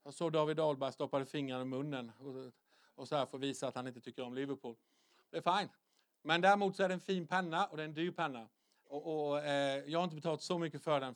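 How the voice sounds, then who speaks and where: A middle-aged man preaching a sermon in a conversational way, with many restarts, sometimes dropping to a soft, hushed voice for emphasis. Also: medium pitch. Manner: conversational, repetitive restarts, drops to soft near-whisper for emphasis. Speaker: pastor.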